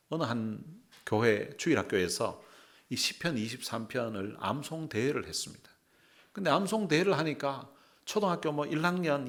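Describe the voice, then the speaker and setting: Lively storytelling male pastor. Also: on the high side, vocal fry. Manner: storytelling with anecdotes, lively delivery. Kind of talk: sermon.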